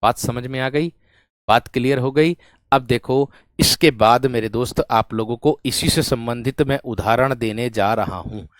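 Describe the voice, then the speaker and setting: With a fairly bright, medium-pitched voice, this Hindi-accented North Indian teacher runs an exam-focused grammar class, repeating points and confirming his students understand. He calls them friend and brave one, and no room sound is audible.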